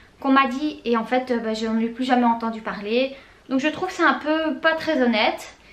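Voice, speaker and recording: A woman speaks at a high pitch with ordinary pitch variation and big swings in loudness. There is audible room echo and noticeable background noise. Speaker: YouTuber and graphic designer. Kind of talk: casual vlog monologue. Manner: fast; hesitant, many fillers.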